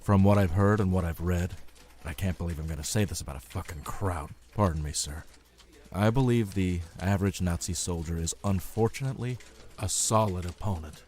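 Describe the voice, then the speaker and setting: A man plays a cocky American soldier in his late twenties for a radio play. The voice is low and mellow, with dark edges. He keeps to respectful military address while letting street-tough, dry bravado show through. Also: brisk, lightly acted. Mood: measured, guarded. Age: 20s. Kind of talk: audio drama acting.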